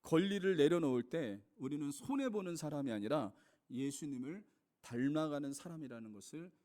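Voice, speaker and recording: A man's voice: fairly high pitch, expressive, normal speed, mellow. A male pastor delivering a sermon, earnest and emphatic, repeatedly addressing the congregation. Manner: earnest preaching, rising to emphatic peaks, addresses congregation as "여러분".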